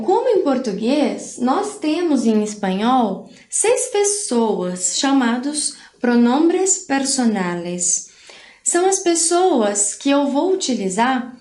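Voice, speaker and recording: A woman's voice: sits high, warm tone. A Brazilian woman teaching a recorded video lesson, explaining patiently and having learners repeat words after her. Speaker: Spanish teacher. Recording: roomy echo.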